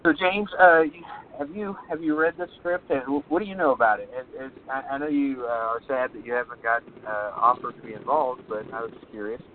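A man hosting a podcast, asking halting questions that he often restarts. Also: mid-range voice, slight background noise. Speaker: podcast host. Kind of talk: interview questions. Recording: tinny phone-line audio.

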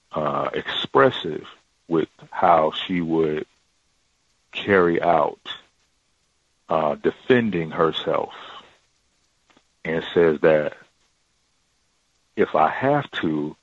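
A man with an extremely deep voice tells his story slowly, stopping and restarting often. The sound is dull and dry, like a call-in line. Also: husky, no echo. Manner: halting, many fillers and restarts. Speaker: caller. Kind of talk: casual call-in account.

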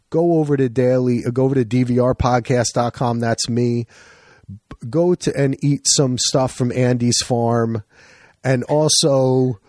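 A man hosting a casual podcast chat, rambling and animated, with frequent swearing. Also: mid-range voice, no room sound, clean studio sound. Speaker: podcast host.

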